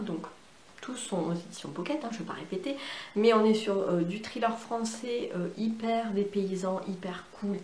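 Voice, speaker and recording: A woman's voice: medium pitch, darkish tone, a little hiss or hum. A French woman chatting casually about books she received, with lots of hesitations and eager recommendations. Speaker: book vlogger. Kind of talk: casual book haul chat. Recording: echoey room with faint ambience.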